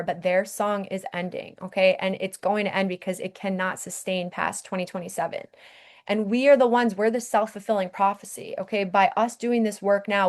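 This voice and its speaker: A woman hosting a spiritual podcast who talks in an earnest, urging way and often checks in with the listener. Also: mid-range voice. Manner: earnest, urging, repeats "okay?". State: briefly emotional. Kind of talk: impassioned spiritual talk.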